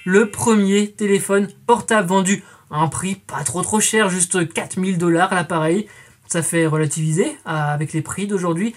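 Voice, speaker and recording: A woman's voice: fairly low pitch, moderate pace. A woman in her twenties hosting a scripted educational quiz, chatty and playful, calling her viewers friends and adding jokey asides. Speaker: quiz show host.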